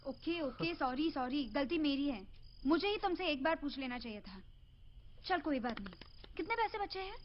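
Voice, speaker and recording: A bossy spirited young heroine. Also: female voice, high-pitched, expressive, normal speed, background noise. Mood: chiding. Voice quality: bossy, commanding. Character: bossy spirited young woman faking a kidnapping. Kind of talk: Hindi film acting. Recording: dull film soundtrack with music.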